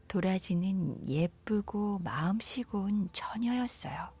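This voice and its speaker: A woman's voice: mid-range voice, warm tone, slightly rough. A woman storyteller narrating scripted children's folktales.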